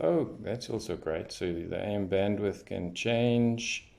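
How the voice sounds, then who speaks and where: A man's voice: low voice, vocal fry, darkish tone. A man giving casual, unscripted unboxing commentary, thinking aloud as he reads things off as a hobbyist reviewer. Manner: unscripted, thinking aloud while reading off labels.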